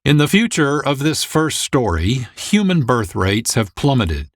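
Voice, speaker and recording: A male radio host introducing an episode in a slow, unhurried pace. His medium-pitched voice moves up and down expressively, and the recording is close and dry. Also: very animated, dry recording. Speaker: producer and host. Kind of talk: scripted radio hosting.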